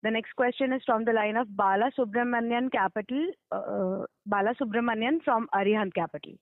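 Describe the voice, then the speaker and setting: A woman's voice: fairly high pitch, a little fast, dry recording. A woman operator formally moderating a conference call and introducing callers. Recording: dry, thin telephone line.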